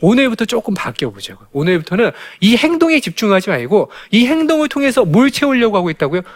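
A man giving a lecture to parents on raising children, animated and full of rhetorical questions. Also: high voice, fast. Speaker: parenting educator.

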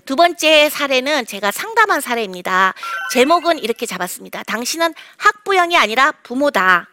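A middle-aged woman counselor giving a public talk, acting out quoted parents and teenagers with sudden shifts in tone. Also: dry recording. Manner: acts out quoted lines with sharp jumps in pitch. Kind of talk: public lecture to an audience.

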